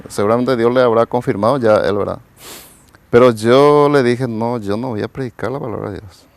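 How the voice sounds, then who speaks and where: A man, a pastor telling his life story in a television interview. His voice is gravelly and mid-pitched. He rambles and tags nearly every phrase with a questioning "right?". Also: brisk. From Paraguay. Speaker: pastor and evangelist, interview guest. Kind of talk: personal testimony in a TV interview.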